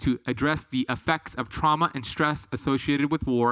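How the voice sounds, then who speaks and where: At a fairly quick pace, a man with an ordinary speaking voice talks at a fairly high pitch with ordinary pitch variation, in a dry, close sound with no echo. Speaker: podcast host. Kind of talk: interview.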